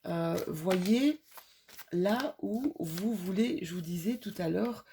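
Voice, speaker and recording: A woman's voice: fairly low pitch, animated, takes it slowly, dark tone, a little hiss or hum. A woman with a slight cold giving an intuitive card reading to her viewers in a soothing, reassuring way, with many fillers and restarts. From France. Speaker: tarot card reader.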